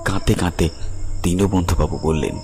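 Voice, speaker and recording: A man's voice: sits low, fairly even intonation, normal speed, music in the background. A man narrating a scripted horror story in a dramatic, suspenseful storyteller's manner.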